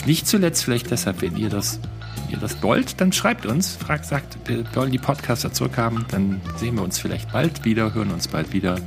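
A man co-hosting a podcast, signing off warmly while fumbling for words. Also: mid-range voice, lively intonation, a little fast, gravelly, over music. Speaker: podcast co-host. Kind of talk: casual podcast sign-off.

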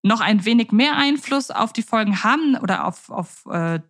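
A woman's voice: fairly high pitch, animated, moderate pace. A woman co-hosting a podcast, chatting casually and thinking aloud with fillers. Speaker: podcast co-host.

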